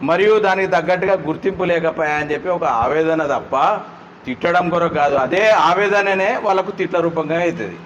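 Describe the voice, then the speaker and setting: A man, a former public representative calmly explaining his grievance in an interview. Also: fairly high pitch, fast, highs cut off, a little hiss or hum.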